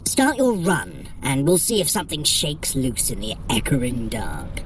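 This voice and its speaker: A woman's voice: a bass voice, wildly swooping pitch, a little slow, slight background noise, heavily acted. A woman playing a sly, haughty trickster deity in an audio adventure workout, with an arch, droll, condescending delivery. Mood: droll, instructive. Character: sly, haughty trickster deity guiding a mortal through a heist. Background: music.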